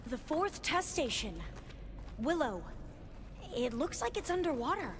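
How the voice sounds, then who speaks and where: A woman's voice: high-pitched, very animated, unhurried, noisy background. An actress voicing a devout young female tribal diviner in a video game, speaking in an earnest, formal, reverent way. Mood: curious. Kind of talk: video game cutscene dialogue.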